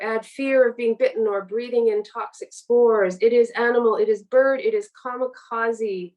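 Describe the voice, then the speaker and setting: A woman's voice: mid-range voice, darkish tone, distant mic, low-quality recording. A woman guest author speaking on a literary podcast. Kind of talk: literary reading and podcast conversation.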